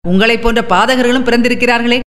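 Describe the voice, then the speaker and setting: A woman's voice: a little high, fairly even intonation, quick pace, a bit bright, lightly acted. A woman voicing a fierce young male idealist who speaks in defiant, indignant outbursts. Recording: long reverb.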